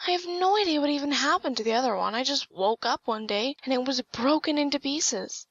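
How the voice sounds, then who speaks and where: A woman's voice: sits high, expressive, fairly quick, fairly bright tone, no echo. A woman playing a bored, suspicious twenty-four-year-old in an audio drama, recorded dry and a little dull. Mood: casual. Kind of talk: hobby audio drama acting. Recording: dry, slightly dull sound.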